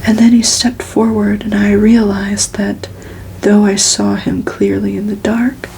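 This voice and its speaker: Female ASMR reader: whispered storybook narration, crackly fry, very even intonation, soft and breathy. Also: mid-range voice. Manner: slow, soft, unhurried delivery. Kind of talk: ASMR whispered novel reading.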